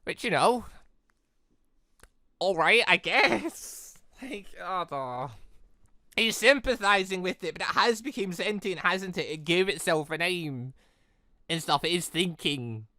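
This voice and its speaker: Casting: male gaming host, animated and rambling, lively pitch swings, bright voice, close dry mic. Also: measured pace, no echo. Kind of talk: visual novel playthrough commentary.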